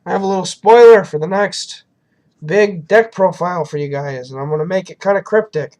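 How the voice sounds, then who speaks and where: A young man with a hoarse voice from a sinus infection, casually walking through a card game deck at his desk, rambling with lots of ums and coughs. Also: high-pitched, a little fast, a little mellow. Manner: rambling, self-deprecating, frequent ums and coughs. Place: at a desk at home, indoors.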